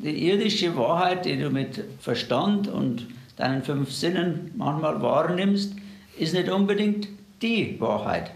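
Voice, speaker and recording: A man's voice: a little high, creaky, roomy sound. A man preaching a sermon, earnestly addressing the listener directly.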